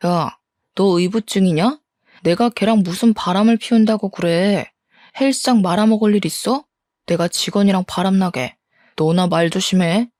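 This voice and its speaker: A woman's voice: mid-range voice, normal speed, darkish tone, no room sound, studio quality, lightly acted. A woman voicing a defiant, scornful middle-aged husband caught cheating, reading a story aloud. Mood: defensive. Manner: blustering, scornful, defensive.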